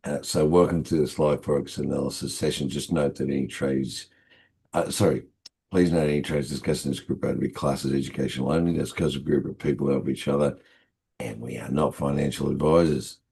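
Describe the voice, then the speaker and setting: An Australian man with a hoarse, croaky voice, hosting a live trading session in a relaxed, rambling way. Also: a bass voice, a little fast. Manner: relaxed, rambling with many fillers. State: hoarse after being ill. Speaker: forex trading host.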